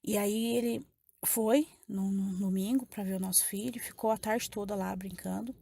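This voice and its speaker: A woman's voice: medium pitch, steady tone, moderate pace, gravelly, dark tone, husky, dry recording, clean studio sound. A woman with a Brazilian accent giving an emotional personal testimony to a church congregation, repeating phrases as she tells her story. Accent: Brazilian Portuguese.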